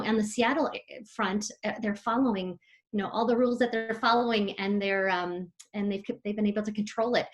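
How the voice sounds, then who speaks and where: A woman business executive answering interview questions over a remote call from home, friendly and upbeat with some fillers. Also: medium pitch.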